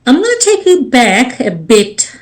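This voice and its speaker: A woman's voice: high-pitched, wildly swooping pitch, unhurried. A woman from Bangladesh, speaking earnestly as a life coach and guest on a radio interview. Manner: earnest, speaks in short restarting phrases.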